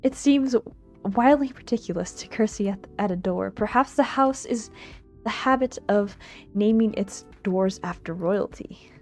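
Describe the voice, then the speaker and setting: A woman voicing a prim, wry young villainess from a visual novel, with formal, measured diction. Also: medium pitch, lightly acted. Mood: dismissive. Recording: music behind the voice.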